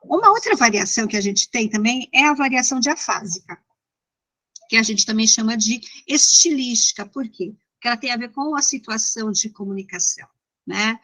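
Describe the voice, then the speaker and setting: A woman's voice: a little high, lively intonation, brisk, pushed and bright. A Brazilian woman with a São Paulo accent giving an informal, interactive lecture in a didactic, conversational way that checks in with listeners. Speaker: university lecturer.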